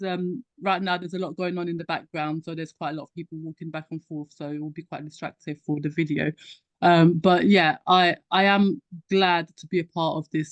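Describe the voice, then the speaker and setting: British woman, guest on a video call, hesitant, halting speech, dry sound. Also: on the low side, no room sound. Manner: hesitant, many "um"s. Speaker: guest, goodwill ambassador. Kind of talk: casual remarks at an online meeting.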